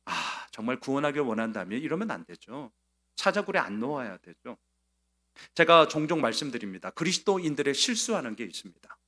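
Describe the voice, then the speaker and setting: A man preaching a sermon as pastor, acting out quoted lines with sudden swings from soft to loud. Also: mid-range voice, sing-song, fairly quick. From South Korea. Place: church sanctuary.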